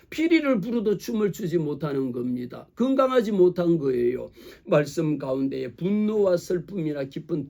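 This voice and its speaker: Man preaching a sermon, high soft voice, asks the congregation lots of questions. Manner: animated preaching, acts out quoted voices; speaks directly to the congregation with rhetorical questions. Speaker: pastor.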